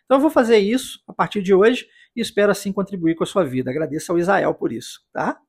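A man teaching English pronunciation in a podcast lesson, drilling phrases slowly for the listener to repeat. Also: high voice, slightly rough. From United States.

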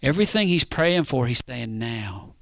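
A man preaching a sermon in a conversational way, often asking the congregation if they understand, and slowing down to read scripture. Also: medium pitch, big pitch swings, vocal fry, fairly bright tone, no room sound. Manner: conversational, keeps checking in with the congregation; reads scripture slowly and deliberately.

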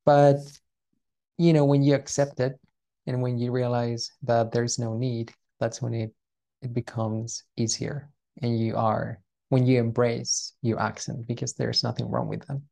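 Gravelly man explaining, "right?"-tagging. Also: mid-range voice, little pitch movement, measured pace, mellow. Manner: explains earnestly, ends points with tag question "right?". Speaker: guest, founder of a pronunciation coaching business. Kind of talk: casual interview chat.

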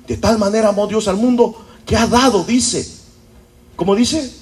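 A man's voice: sits high, normal speed. A pastor preaching a sermon to his church, often throwing rhetorical questions at the congregation. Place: church service.

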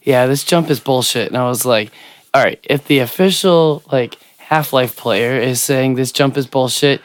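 A man chats as a podcast co-host in a medium-pitched, slightly worn-out voice. He is casual and wry. The sound is dry, with no room around it. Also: moderate pace, dry recording. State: voice worn out, has little voice left.

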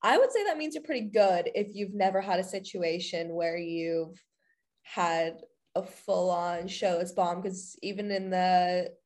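Woman podcast host, chatty, encouraging, quick to laugh. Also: on the low side, a little mellow. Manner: upbeat, laughs a lot, encouraging. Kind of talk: casual interview chat.

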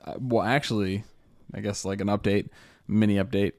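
A man's voice: lowish voice, fairly even intonation, normal speed, a little mellow, no room sound, clean studio sound. Laid-back joking man co-host. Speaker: podcast co-host. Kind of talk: casual chat.

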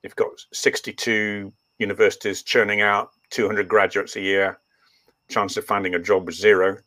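Bright-voiced older man, rambling. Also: lowish voice, level tone, normal speed, dry recording. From East Africa. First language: Swahili. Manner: rambling, full of ums and restarts. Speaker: guest, veterinarian. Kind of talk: relaxed interview storytelling.

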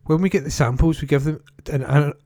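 A man with a mellow, dark-toned voice reads a news report aloud, even and plain. The recording is dry and close. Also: fairly high pitch, brisk, no echo. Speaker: newspaper article reader.

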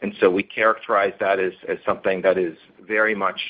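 A man with a low voice speaks over a tinny conference-call line. He answers as a company executive, in a halting way, repeating small words and restarting his sentences. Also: level tone. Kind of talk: answering analyst questions on an earnings call.

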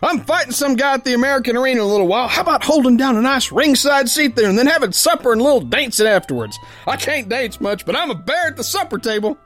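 A man's voice: very high voice, expressive, quick pace, hardly any pauses, fairly bright tone. A man playing a tough, cocky, uneducated sailor boxer who tells his yarn in folksy slang for a radio drama. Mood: cocky, flirtatious. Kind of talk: pulp radio drama narration and dialogue.

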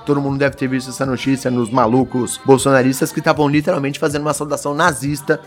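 A Brazilian man casually arguing his views in a group discussion, blunt and animated, firing off rhetorical questions. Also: mid-range voice, quick pace, faint music behind.

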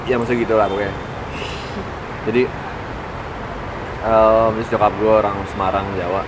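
A man's voice: lowish voice, little pitch movement, moderate pace. A young man, a musician being interviewed, talking casually and hesitantly, searching for words. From Indonesia. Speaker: musician guest, bassist and singer. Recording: outdoor recording with traffic noise.

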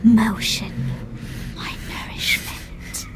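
Slow, menacing female spirit. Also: in a whisper, music in the background. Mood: taunting menace. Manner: theatrical, drawn-out, sinister, often breathy. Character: menacing, taunting, ancient spirit who hunts mortals. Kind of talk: fantasy audio drama acting.

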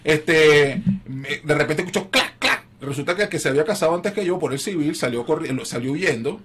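A man's voice: fairly high pitch, a little fast, fairly bright tone, breathy edge. A man hosting a casual chat show, teasing and joking with his guest. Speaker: host.

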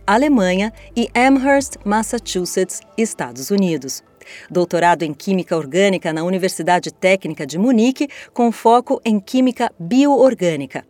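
A Brazilian woman hosts a podcast in a formal, scripted style. Her voice sits at a middle pitch and her wording is articulate, with music behind her. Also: a little mellow. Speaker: podcast host.

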